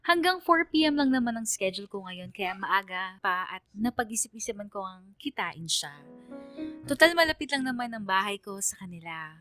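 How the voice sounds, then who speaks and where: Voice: mid-range voice, normal speed, faint music behind. An actor playing a young gay male student who narrates his love story to a radio DJ in a playful, confiding way. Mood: hopeful. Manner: chatty, playful, self-flattering. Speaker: letter sender narrating to a radio DJ. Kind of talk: confessional first-person radio drama narration.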